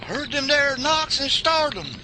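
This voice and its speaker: A man putting on a jumpy backwoods shooter with a drawl and a very high, thin voice for a man. He talks back defensively, and loud crickets chirp all around him in this night-time radio play. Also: expressive, normal speed, heavy background noise. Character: jumpy trigger-happy backwoods man, Jesse.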